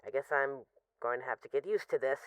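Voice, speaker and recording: A woman's voice: very deep voice, brisk, fairly bright tone, no room sound, rough recording. A woman playing an affectionate, wry mafia boss who misses her partner, rambling hesitantly through intimate voicemails in an audio roleplay. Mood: wistful, apologetic. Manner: hesitant, sighing, wry, conversational.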